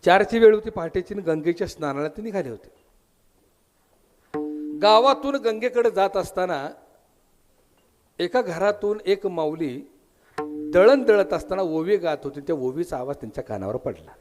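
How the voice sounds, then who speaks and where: Male Marathi kirtan preacher, high-pitched storyteller who voices his characters, live instruments loud underneath. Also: expressive, normal speed, pauses often, soft background music. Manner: storytelling, acts out dialogue, breaks into sung verses. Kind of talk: devotional kirtan sermon with singing. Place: temple hall with audience.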